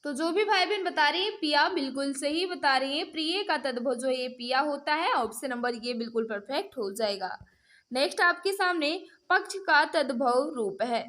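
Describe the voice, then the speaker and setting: High-pitched woman teaching a quiz class. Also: fairly bright tone. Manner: repetitive prompting, addresses learners directly as friends. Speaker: teacher hosting an online exam-prep class. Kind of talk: interactive mock-test lesson, quizzing viewers.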